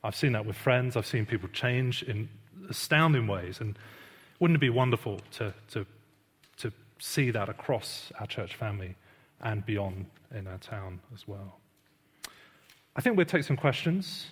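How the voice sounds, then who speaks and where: A man's voice: fairly low pitch, animated, unhurried, fairly bright tone, husky. A man giving a conversational church teaching talk, self-deprecating and full of fillers. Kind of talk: sermon-style teaching talk. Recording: long hall reverb.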